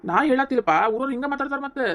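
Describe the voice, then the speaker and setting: A woman's voice: sits high, animated, very fast, a bit bright. A woman voicing a heated young husband in a cartoon comedy, scolding and lecturing insistently, with a North Karnataka Kannada accent. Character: heated young husband defending his wife against his mother.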